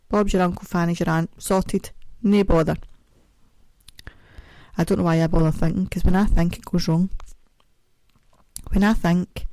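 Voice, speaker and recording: Her deep, dark-toned voice comes through poor audio with no echo as this woman hosts a podcast from home. She rambles casually and teases herself, singing snatches here and there, while speaking carefully around a mouth sore from dental work in this audio-only clip.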